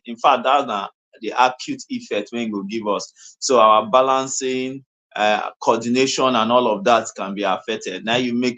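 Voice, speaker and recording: Nigerian accent man, doctor explaining health stuff, mid pitch, halting and repeats himself a lot. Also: a bit bright, poor audio. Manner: halting, repetitive, tags phrases with "eh". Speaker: doctor, guest speaker. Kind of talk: informal medical explanation in Nigerian Pidgin.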